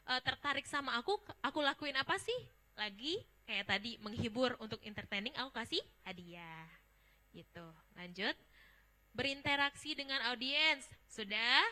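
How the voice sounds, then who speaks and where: A woman's voice: sits high, pushed and bright. A young woman giving a casual public speaking workshop, chatty and informal, asking the audience questions.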